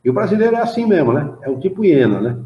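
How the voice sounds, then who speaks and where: A man's voice: a little high, very animated, rapid-fire. A man with a Brazilian Portuguese accent leading an informal study group in an association's hall, chatting animatedly and reading passages aloud. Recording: dull echoey room recording.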